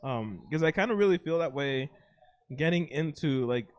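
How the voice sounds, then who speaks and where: A man's voice: on the high side, lively intonation, normal speed. A man in his thirties co-hosting a podcast, chatting easily and laughing often. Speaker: podcast co-host. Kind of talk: casual chat.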